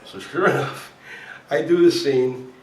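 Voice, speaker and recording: A man's voice: mid-range voice, a little slow. A man who is a former cop turned actor, from New Jersey, telling stories in a casual chat and acting out what people said. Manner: animated storyteller acting out quotes. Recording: echoey room, voice a bit far from the mic, faint background noise.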